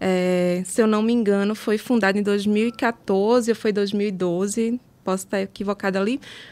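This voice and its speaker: A woman talks at a moderate pace in a Recife accent. Her pitch sits fairly high, with ordinary variation. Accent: Recife (Pernambuco). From Recife, Pernambuco, Brazil. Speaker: accountant and startup community organizer. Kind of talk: podcast interview.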